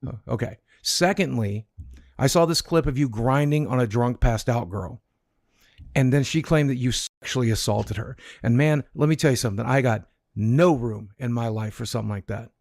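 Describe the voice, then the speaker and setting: A man's voice: medium pitch, normal speed, gravelly, a little mellow, no echo, studio quality. A man on a casual podcast, earnestly laying out his points one by one. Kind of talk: casual argumentative chat.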